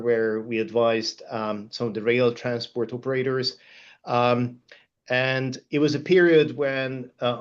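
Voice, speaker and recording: A middle-aged Hungarian-accented man speaks on a professional panel in a formal, measured way with frequent hesitations. His mid-range voice stays very flat in intonation. The sound is somewhat dull and muffled. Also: medium pitch. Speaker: panelist, law firm partner. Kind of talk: panel discussion, career account.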